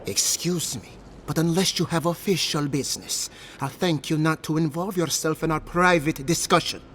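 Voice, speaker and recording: A man's voice: fairly high pitch, moderate pace, a bit bright, slight background noise, close to an everyday voice. A man playing an officious, cautious governor in a fantasy video game, formal and condescending. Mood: curt, haughty. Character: officious, cautious male governor, haughty but protective. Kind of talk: video game character acting.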